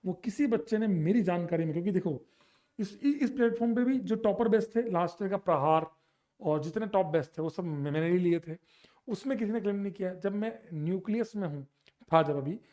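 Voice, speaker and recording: A male teacher giving an energetic exam-prep chemistry lecture, switching between Hindi and English and teasing his students. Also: high voice.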